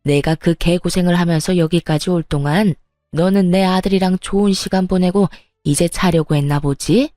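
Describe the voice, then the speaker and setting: A woman's voice: on the low side, normal speed, mellow, dry recording, clean studio sound, soft background music, close to an everyday voice. A woman voicing a furious, spiteful older mother-in-law who berates and sneers, in a dramatized story reading. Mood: angry scolding.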